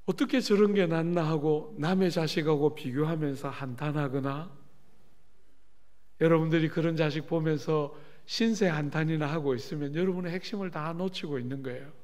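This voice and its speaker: A middle-aged man preaching at a church revival service, telling lively stories and often turning to the congregation with questions. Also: fairly high pitch, normal speed. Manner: animated storytelling with asides to the congregation. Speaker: pastor. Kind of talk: revival sermon. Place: church sanctuary.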